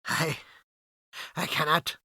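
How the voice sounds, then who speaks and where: A man voicing a hungry, frightened castaway who speaks hopelessly and haltingly from a boat. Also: pushed and bright, no room sound, studio quality. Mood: fearful. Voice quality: hopeless, pathetic, hesitant. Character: desperate hungry man in a rowboat, hiding. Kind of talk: storybook reading.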